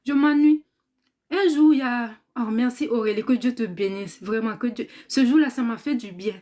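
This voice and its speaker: A woman's voice: a little high, moderate pace, warm tone. A tired woman in convalescence who trains people in cosmetics business, chatting casually on a live stream, reading viewer comments aloud, thanking them and praying aloud, and repeating words often.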